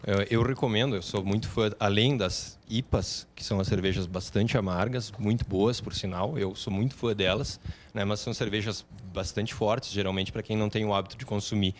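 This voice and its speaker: A man's voice: lowish voice, fairly even intonation, normal speed, slight background noise. A man, explaining home brewing step by step as a studio guest. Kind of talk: casual chat.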